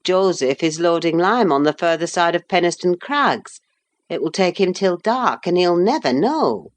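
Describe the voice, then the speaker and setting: A woman reading aloud who voices a sullen, resentful young man in a low, unhurried voice close to her own. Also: lively intonation, lightly acted.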